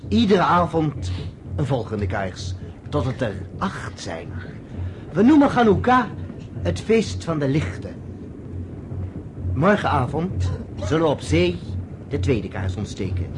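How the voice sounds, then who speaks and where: A man's voice: fairly high pitch, huge pitch swings, a little slow, long pauses. An actor playing a devout Jewish man solemnly leading a Chanukah celebration in a radio drama. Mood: solemn, hopeful. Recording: noisy old radio drama recording.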